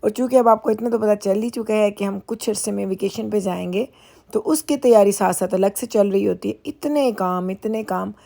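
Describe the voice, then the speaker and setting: A middle-aged Pakistani woman with a mid-range, gravelly, dark-toned voice chats casually at a normal speed in her vlog. She rambles and laughs easily, first while driving her car and then while waiting in a dealership lounge.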